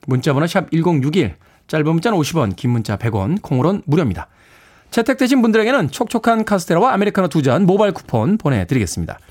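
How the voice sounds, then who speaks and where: A man's voice: on the high side, fast. Playful male radio DJ. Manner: lively, playful, laughs often. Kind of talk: radio show hosting. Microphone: studio microphone.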